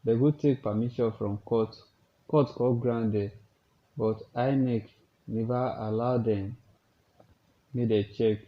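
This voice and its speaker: A Nigerian man delivers informal news commentary in Nigerian Pidgin. He takes his time, speaking at a slow, measured pace in a mid-pitched voice. The recording sounds slightly dull and lo-fi.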